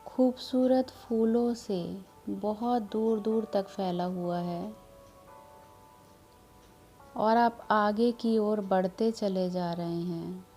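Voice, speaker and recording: A woman guides a relaxation meditation at an extremely slow pace. Her tone is mellow and relaxed, and her delivery is soothing, with long pauses between phrases. Music plays behind her voice. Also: mid-range voice. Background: background music.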